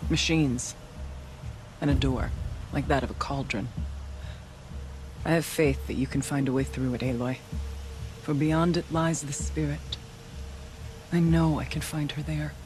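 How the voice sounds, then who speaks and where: A woman's voice: deep voice, steady tone, measured pace, long pauses, a little mellow, a little hiss or hum. An actress playing a devout, proud tribal shaman woman in a video game, with solemn, formal phrasing. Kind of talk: dramatic video game cutscene acting. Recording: music behind the voice. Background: music.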